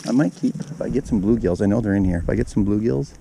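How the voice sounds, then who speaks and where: A man's voice: fairly low pitch, creaky. A man casually narrating his ice fishing to viewers, recorded on a body-worn action camera outdoors on a frozen lake. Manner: chatty, talks to viewers as "you guys". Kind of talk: casual play-by-play commentary. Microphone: body-mounted action camera. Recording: outdoor wind noise on the mic.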